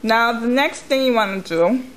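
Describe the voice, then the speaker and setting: A woman's voice: on the high side, normal speed, rough recording. A woman chewing gum while she talks, giving an informal, step-by-step nail tutorial in a conversational way. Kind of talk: casual hands-on tutorial talk.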